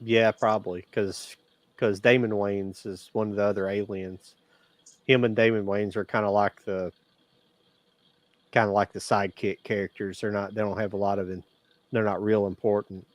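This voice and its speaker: A man in his forties talks movies in a loose, rambling way, often circling back and restarting his thoughts. His voice sits on the low side, and the sound is dry and close, with no room around it. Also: level tone, normal speed, no echo. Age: 40s. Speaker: podcast co-host. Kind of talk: casual movie chat.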